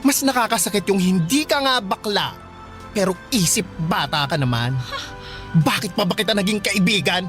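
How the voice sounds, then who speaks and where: A woman playing a feisty, sarcastic gay high school boy in a radio drama, with a dramatic, taunting, campy delivery. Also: expressive, moderate pace, over music, lightly acted. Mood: scornful, hurt.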